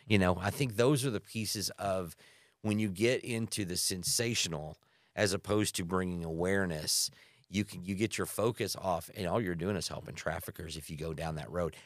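A man's voice: sits low, moderate pace, no echo, studio quality. A man speaking as an interview guest, impassioned and opinionated, stressing key words and throwing out rhetorical questions. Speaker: guest speaking on anti-trafficking work.

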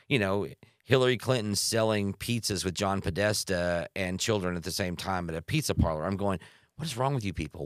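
Male interviewee, very low voice, dry sound, emphatic, opinionated delivery. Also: dry recording. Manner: emphatic, opinionated, stresses key words with rhetorical questions and mimicked quotes. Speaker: guest speaking on anti-trafficking work. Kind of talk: impassioned interview talk.

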